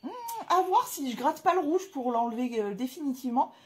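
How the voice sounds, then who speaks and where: A woman's voice: high-pitched, expressive, fairly quick, slight background noise. A woman vlogger chatting casually to camera about jewelry she is unboxing, gushing in slangy exclamations with many fillers. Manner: frequent hesitation fillers.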